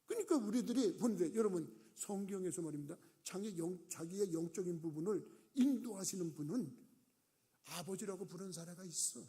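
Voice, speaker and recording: A man's voice: high-pitched, brisk, mellow. A middle-aged man preaching a sermon as pastor, acting out the voices of people in his stories with sudden rises and drops. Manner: acts out quoted voices with dramatic rises and dips. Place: church sanctuary. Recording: long church reverb.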